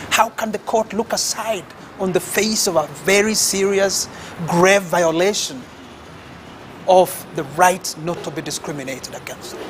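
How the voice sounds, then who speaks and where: A man with a Kenyan accent, a guest expert on a talk show, speaking in a formal, measured and emphatic way. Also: high voice, slight background noise. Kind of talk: studio talk show discussion.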